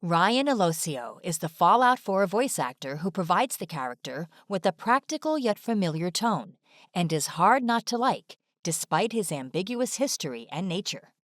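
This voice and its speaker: A woman's voice: on the low side, big pitch swings, moderate pace, no room sound, clean studio sound. A woman reading scripted narration as the presenter of an informational video. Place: dry studio voice-over.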